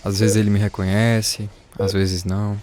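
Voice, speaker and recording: A man's voice: on the low side, little pitch movement, moderate pace, natural voice. A man acting a supporting part in a radio drama. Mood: grave.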